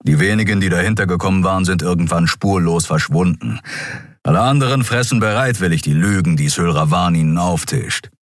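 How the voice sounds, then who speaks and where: Man doing a grumbly lion-headed warrior guy, low and terse, bit husky, audiobook. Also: brisk, no echo, studio quality. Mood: grim. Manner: growling, terse. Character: gruff lion-headed male warrior, grim.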